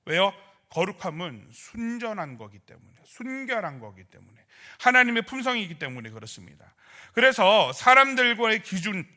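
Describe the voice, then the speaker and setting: A man's voice: high voice, bright, forceful tone. A male pastor preaching at a midweek prayer service, asking the congregation questions and acting out quoted grumbles and prayers. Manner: acts out church members' grumbling and prayers in quoted voices; asks the congregation rhetorical questions.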